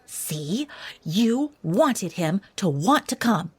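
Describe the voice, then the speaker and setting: A woman's voice: mid-range voice, very animated, drawn-out words, a little mellow, slightly rough, no echo, heavily acted. An actress playing a chatty, teasing young female student assistant in an audio drama. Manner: teasing, matchmaking.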